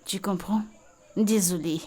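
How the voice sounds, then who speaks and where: A woman's voice: medium pitch, a little slow, dark tone, lightly acted. A woman dubbing a film role: an outspoken, caring woman who talks bluntly and repeats herself insistently. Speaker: Vicky, friend tending a beaten woman. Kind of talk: French film dub.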